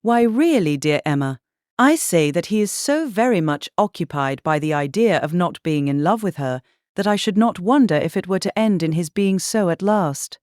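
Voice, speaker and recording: An actress playing a sensible, affectionate married gentlewoman in an audiobook drama. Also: on the low side, lively intonation, moderate pace, no room sound, studio quality, close to an everyday voice. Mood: gently teasing. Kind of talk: full-cast audiobook period drama.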